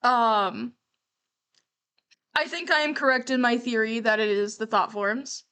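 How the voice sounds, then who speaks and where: A woman's voice: fairly high pitch, a little slow, bright, forceful tone, clean tone. A woman livestreamer giving casual, candid reaction commentary, musing aloud as she goes.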